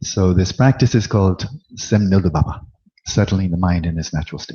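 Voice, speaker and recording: Here a man speaks fairly quickly with a very deep, low pitch. His voice is somewhat breathy, with ordinary pitch variation. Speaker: Buddhist meditation teacher. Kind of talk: dharma talk at a retreat. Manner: fast; speaks in short segments for interpretation.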